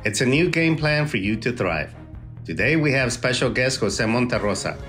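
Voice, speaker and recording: A man hosting an interview program, reading a polished introduction and then asking measured questions. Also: mid-range voice, lively intonation, fairly bright tone, soft background music. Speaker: host.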